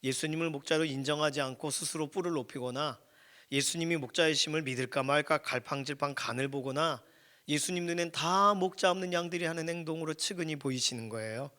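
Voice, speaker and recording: A middle-aged man preaching to a church prayer meeting, his tone bright and forward. He talks with the congregation more than at them, asking questions and slipping into little acted-out voices. His speaking pitch sits a bit above the usual for a man. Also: fairly quick. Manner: conversational, asks the congregation questions; acts out quoted voices. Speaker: pastor. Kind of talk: sermon.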